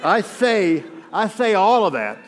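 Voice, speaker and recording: A man preaching, stuttering and repeating his words as he goes. His voice sits a little high for a man, and his self-mocking humor keeps breaking through. The sound carries the long reverb of a large church hall. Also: very animated, unhurried, some chatter behind, a little hiss or hum. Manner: self-deprecating humor, chuckling as he talks. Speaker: guest preacher. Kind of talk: sermon with personal storytelling. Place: church sanctuary.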